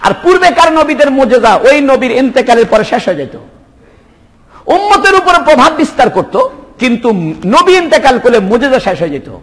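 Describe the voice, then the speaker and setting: A male preacher delivers a fervent sermon. His voice sits high and leaps through a lively range as he fires rhetorical questions and exclamations of praise. A long reverb rings around him as if in a hall. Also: moderate pace. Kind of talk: Bengali waz sermon.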